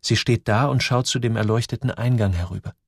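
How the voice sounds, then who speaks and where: A man reading a story aloud in scripted narration, with lively, dramatic ups and downs. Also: mid-range voice, fairly quick, husky, no echo, clean studio sound. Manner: lively, dramatic storytelling with sudden drops and rises. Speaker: audiobook narrator.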